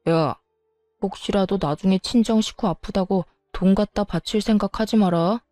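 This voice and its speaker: A selfish husband in a storybook-style revenge tale, read by a woman narrator. He brushes people off and lectures in clipped lines. The voice stays mellow and dry, with faint music underneath. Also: mid-range voice, moderate pace, no room sound, lightly acted. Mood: dismissive. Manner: curt, lecturing and dismissive. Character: stingy selfish young husband, cold and dismissive.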